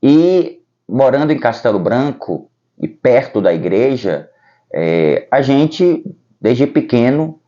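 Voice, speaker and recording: A Brazilian man, a Catholic priest, telling his vocation story to camera in a calm, earnest, measured way. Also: mid-range voice. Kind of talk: personal vocation testimony to camera. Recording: dull lo-fi recording.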